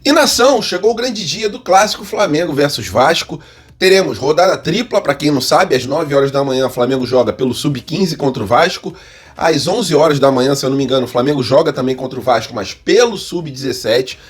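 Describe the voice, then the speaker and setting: A man with a Brazilian accent and husky voice, hosting informal football news as a partisan fan who addresses viewers directly. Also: fairly high pitch, lively intonation, fairly quick, soft background music. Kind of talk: informal sports news commentary.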